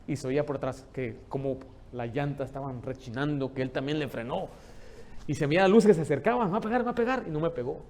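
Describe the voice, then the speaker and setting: A man, preaching a lively sermon in a church and telling stories with humor. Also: medium pitch, brisk. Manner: lively storytelling, joking with the congregation. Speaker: pastor.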